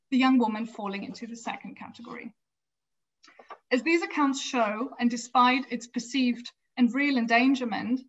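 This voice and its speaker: A woman giving an academic lecture from a home office over a video call, reading prepared text in a measured way with small restarts. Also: a little high, a bit bright. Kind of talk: academic lecture read from slides. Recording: slightly dull lo-fi video call audio.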